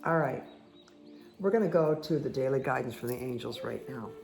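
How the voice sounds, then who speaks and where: A woman with a croaky voice giving a casual, chatty tarot card reading that speaks directly to the listener. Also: rumbling low, animated, normal speed, darkish tone. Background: background music.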